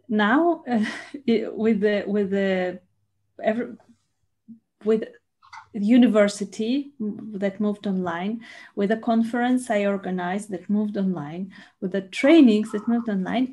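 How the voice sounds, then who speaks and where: Mellow-voiced woman with a Russian accent. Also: mid-range voice. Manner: halting, many fillers and pauses, light laughs. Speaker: guest, trainer and speaker. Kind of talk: conversational interview.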